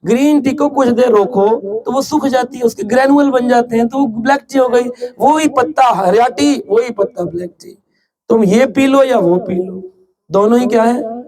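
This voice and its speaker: A man with a very high voice gives a devotional lecture. He jokes, asks his listeners questions and acts out little scenes in story voices. The live recording has a crowd that laughs along. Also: moderate pace. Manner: humorous, with questions to the audience. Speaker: ISKCON preacher. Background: audience laughing.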